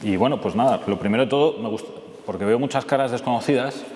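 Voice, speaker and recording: A man in his early forties with a Castilian Madrid accent, giving an informal personal testimony to an audience in a conversational, halting way. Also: medium pitch, darkish tone. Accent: Castilian Spanish from Madrid. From Madrid, Spain. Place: church interior, seated at a table. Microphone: lapel microphone. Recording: echoey church hall, clear background noise.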